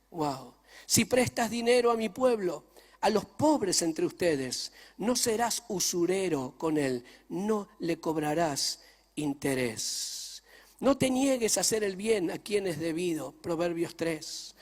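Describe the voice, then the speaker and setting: A man preaching a sermon in a church, emphatic and shifting between loud and hushed delivery. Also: high-pitched. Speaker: pastor.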